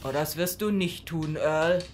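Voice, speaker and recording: Elderly wife , acted by a woman: deep for a woman, caring yet in charge, audio drama, clear background noise. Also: measured pace, a little mellow. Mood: gently scolding.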